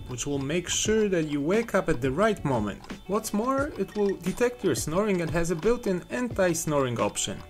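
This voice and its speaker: Lively young man reviewing apps. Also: high-pitched. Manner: upbeat, clear product walkthrough. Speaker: app reviewer. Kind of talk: scripted voice-over narration.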